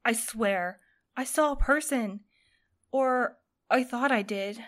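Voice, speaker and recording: A woman's voice: on the high side, slow, fairly bright tone. A woman playing an anxious, determined, exhausted courier in an audio drama, earnest and strained. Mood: shaken. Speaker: actor in a fiction podcast. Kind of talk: naturalistic audio drama acting.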